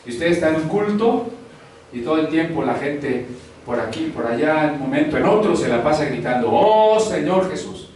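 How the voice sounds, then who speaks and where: A man's voice: a little high, a little fast, darkish tone, a little hiss or hum. Man preaching in an echoey hall. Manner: conversational preaching with rhetorical questions. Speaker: pastor. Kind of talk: sermon. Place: church hall. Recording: echoey hall, far from the mic.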